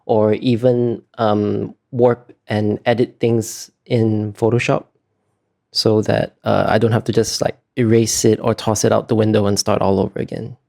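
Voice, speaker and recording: This is a man being interviewed, explaining things casually. His voice is on the low side and mellow, with a strong vocal fry. He speaks haltingly, often pausing to find the next phrase. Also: little pitch movement. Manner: hesitant, halting, with frequent pauses and fillers. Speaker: interview guest, visual artist.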